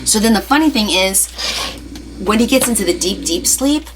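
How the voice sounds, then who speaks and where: A woman hosting a casual livestream, chatting to viewers in an animated, talkative way. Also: mid-range voice, moderate pace, background noise. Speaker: livestream host.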